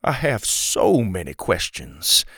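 A man reading a storybook, voicing an excited bearded fortune teller who draws his words out slowly. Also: lowish voice, breathy edge, no room sound, studio quality, full character voice. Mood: wondering. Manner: slow, drawn-out, giddy.

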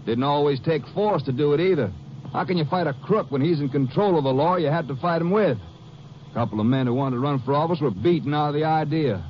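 An actor playing an earnest, excitable lawman sidekick in a 1950s western radio drama. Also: a little high, quick pace, close to an everyday voice. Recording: muffled, noisy 1950s radio recording.

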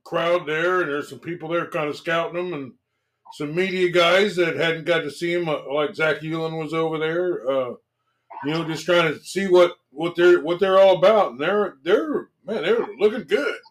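A man's voice: fairly high pitch, moderate pace, low-quality recording. A man hosting a local sports talk show, chatting casually about games with many fillers and restarts. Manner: relaxed, lots of fillers and restarts. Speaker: sports radio host.

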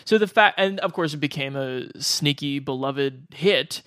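A man's voice: medium pitch, unhurried, pushed and bright, no room sound, clean studio sound. A man co-hosting a podcast, discussing films in a casual, analytical way and thinking aloud as he goes.

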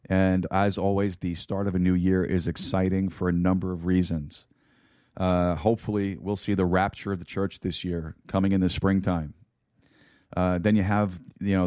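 Hoarse deep-voiced preacher man. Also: darkish tone, no room sound, clean studio sound. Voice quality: raspy. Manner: folksy, addresses listeners as folks, many fillers. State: hoarse, losing his voice. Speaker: podcast host and Bible teacher. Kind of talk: casual sermon-podcast talk.

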